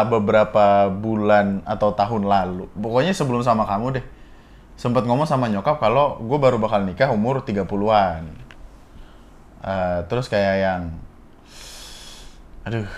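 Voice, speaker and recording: Young man telling a story in slang. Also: on the low side. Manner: storytelling with quick slangy asides and restarts. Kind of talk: casual chat.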